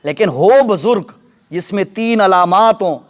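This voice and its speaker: A man giving a sermon in a mosque, telling a story and checking in with his listeners. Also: high voice. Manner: animated storyteller, addresses audience directly. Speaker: preacher.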